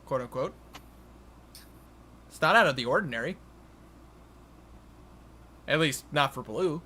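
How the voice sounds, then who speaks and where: A man improvising narration as game master of a tabletop game, haltingly repeating and restarting his phrases. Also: a little high, expressive, sharp tone, husky. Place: online voice call. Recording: noisy home voice-chat recording.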